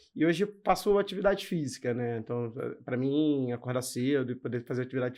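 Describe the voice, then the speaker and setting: The background is quiet. A man at a medium pitch talks at a very fast pace. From Rio de Janeiro, Brazil (suburbs). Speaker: finance executive. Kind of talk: interview.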